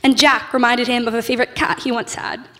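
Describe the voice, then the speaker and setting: Behind loud noise, a young woman in her teens narrates a scripted radio play. Her voice is on the high side, and she tells the story deliberately. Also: flat delivery. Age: teenager. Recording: very noisy live stage recording.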